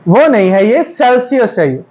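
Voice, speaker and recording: A male English pronunciation teacher, correcting students and repeating words slowly to drill stress in a classroom. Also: very high voice, animated, a little mellow, muffled recording. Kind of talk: classroom lesson.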